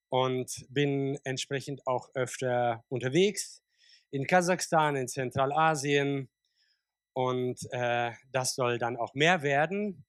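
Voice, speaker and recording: A man's voice: mid-range voice, no echo, studio quality. A man in his forties, a pastor born in Kazakhstan, preaching a sermon in a conversational way with frequent fillers and restarts. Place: church service.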